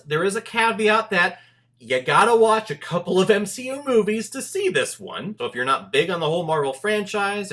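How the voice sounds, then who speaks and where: This is a man with a slightly high voice reviewing a film for his audience. He's casual and enthusiastic, full of animated emphasis and loose, informal phrasing.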